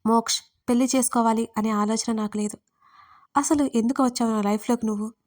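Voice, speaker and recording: A woman's voice: on the high side, steady tone, brisk, a little mellow, distant mic, lightly acted. Woman reading as a guarded, tearful young woman. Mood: tearful doubting. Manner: pleading, guarded.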